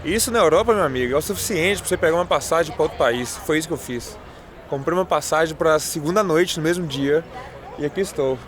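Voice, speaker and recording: A man's voice: fairly high pitch, fast. A man from Brazil with a Brazilian accent, a native Portuguese speaker, chatting casually as he hosts a street travel vlog. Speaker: travel vlogger, host. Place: city streets, outdoors. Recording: busy street crowd noise.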